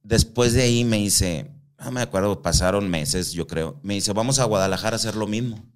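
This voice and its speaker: With a fairly low pitch and a slightly fast pace, the Mexican guest recounts stories in a casual way. His language is slangy and full of swearing, and he performs quoted voices.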